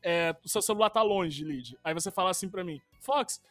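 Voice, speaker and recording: A man co-hosts a casual podcast and tells relaxed stories, laughing often. His voice is dry and close to the mic, with faint music behind him. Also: sits high, moderate pace, no echo. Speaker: podcast co-host. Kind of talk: casual chat.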